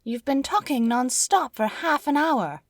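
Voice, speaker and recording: A woman's voice: high voice, expressive, measured pace, no room sound, clean studio sound. A woman voicing a prim, composed, reproving lady pony from a cartoon.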